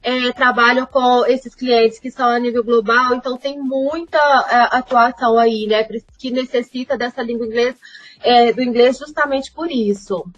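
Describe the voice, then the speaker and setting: A woman with a Brazilian accent explains something unscripted, as a panelist would. Her delivery is hesitant and stays very flat in pitch. The audio is dry and somewhat muffled. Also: moderate pace, dry recording. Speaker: tech recruiter answering questions on a panel.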